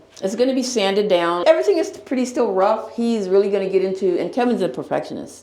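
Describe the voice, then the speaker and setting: Against noticeable background noise, the speech rushes at a very fast pace with lively intonation and hardly any pauses. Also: woman, medium pitch for a woman. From Caribbean. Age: 60s. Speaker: rancher. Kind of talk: casual chat.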